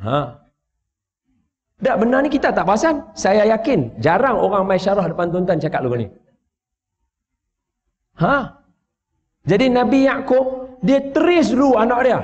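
A man preaches, slipping into characters' voices as he tells a story and teases his listeners. His voice sits a little high. The sound is muffled and carries a long hall echo. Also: unhurried, long pauses. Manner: lively storytelling, voicing characters and teasing the audience. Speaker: religious preacher. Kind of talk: mosque lecture. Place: large mosque hall. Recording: echoey dull hall recording.

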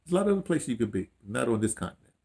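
Rapid-fire and sing-song, his medium-pitched voice is gravelly with a dark tone. This American audio dramatist, sixty or older, is interviewed indoors in a small home room, telling reflective, casual stories that ramble with emphasis, false starts and repeated phrases.

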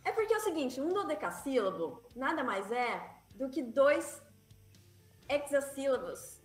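Woman author, high voice, eager explainer, roomy echo on the mic. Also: big pitch swings, a little slow, soft background music. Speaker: guest writer. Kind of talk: casual panel chat on a live stream.

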